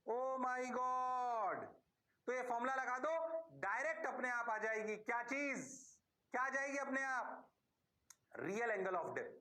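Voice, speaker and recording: High bright-voiced teacher in echoey room. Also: male voice, expressive, takes it slowly. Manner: coaxing, keeps asking if it is clear. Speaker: physics teacher. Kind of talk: classroom lecture.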